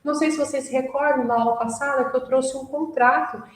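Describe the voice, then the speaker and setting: A woman's voice: sits high, steady tone. Brazilian woman lecturing in an echoey room. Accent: Brazilian Portuguese. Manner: measured, explanatory, many fillers. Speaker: university lecturer. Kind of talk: literature lecture. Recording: echoey room, mic at a distance.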